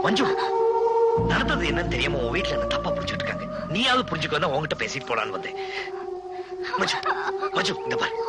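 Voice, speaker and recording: A pleading young man. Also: on the high side. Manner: pleading, earnest. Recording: film dialogue with loud music.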